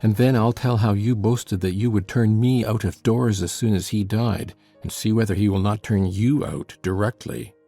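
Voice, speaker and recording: A woman voicing a sullen, coldly defiant boy who makes blunt threats in a deep, changed voice. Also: steady tone, moderate pace, few pauses, mellow, husky, soft background music, heavily acted. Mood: coldly threatening.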